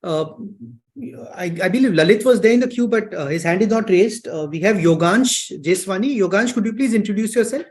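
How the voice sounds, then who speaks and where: A man's voice: high-pitched, expressive, fairly quick, darkish tone. A man moderating the question queue on a conference call in an informal way.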